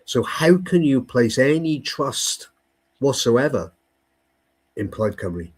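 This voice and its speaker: A man's voice: medium pitch, big pitch swings, slow pace, slightly rough. A Welsh man speaking as a guest in a political discussion, emphatic and often stumbling over repeated words. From Wales. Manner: emphatic, with frequent stumbling repetitions. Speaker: guest commentator.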